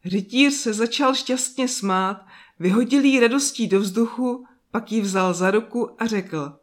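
A woman narrating a children's fairy tale in a calm, soft and slow reading voice. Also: a little high. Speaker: storyteller. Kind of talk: scripted storybook narration.

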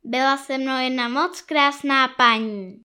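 Little girl voice, very high, bright, childlike, storybook. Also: fairly even intonation, clear, resonant tone. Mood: earnest. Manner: high, breathless childlike exclaiming. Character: small excited girl, sweet and eager. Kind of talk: storybook narration.

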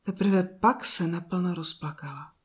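A woman narrating a fairy tale in a slow, soft storytelling manner with drawn-out pauses. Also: on the low side, breathy edge.

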